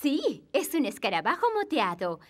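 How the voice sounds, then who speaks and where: An actress playing a prim, sweet schoolteacher of small children in a cartoon, instructive and singsong, with a Latin American Spanish accent. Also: female voice, high voice, very animated, moderate pace, fairly bright tone, full character voice. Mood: cheerful, instructive. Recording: faint music behind.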